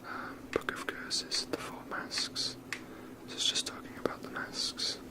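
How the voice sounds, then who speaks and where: Whispering ASMR gamer. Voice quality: soft breathy whisper. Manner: rambling, unhurried, casual, mild swearing. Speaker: video game player and commentator. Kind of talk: whispered ASMR gameplay commentary.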